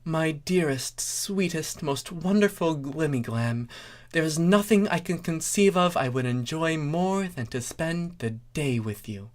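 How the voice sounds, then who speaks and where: A reader voicing a regal female pony princess who speaks in a tender, gushing, deliberate way, full of love. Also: medium pitch, expressive, pitched above the performer's own voice, lightly acted. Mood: adoring.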